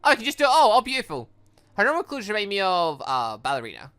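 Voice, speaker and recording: A man hosting a gaming video, thinking aloud and reading game dialogue in an excitable, animated way. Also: high-pitched, fast, faint music behind. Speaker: gaming channel host.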